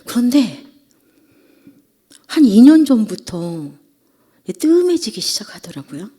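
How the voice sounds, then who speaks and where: A woman's voice: fairly high pitch, big pitch swings, slow, dark tone, slightly rough. A middle-aged woman preacher giving an emotional sermon testimony, dropping to whispers and then rising again. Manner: emotional storytelling, drops to whispers then rises. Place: church sanctuary.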